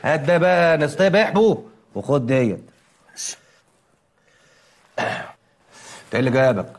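A cocky young street singer. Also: male voice, fairly high pitch, very animated, unhurried. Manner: brash, boastful, laughing banter. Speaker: film comedy character, would-be singer.

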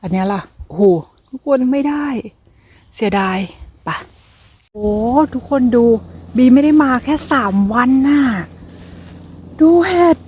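A young adult woman chatting casually to her viewers while foraging outdoors in a forest, with excited exclamations. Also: on the high side, unhurried, breathy edge. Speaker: vlogger.

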